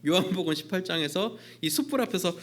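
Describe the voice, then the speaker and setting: A youth pastor man giving a sermon at a church service, in a voice pitched a little above average for a man. He talks in a loose, conversational way, with many filler sounds. He keeps an informal, chatty tone throughout. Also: lively intonation, quick pace.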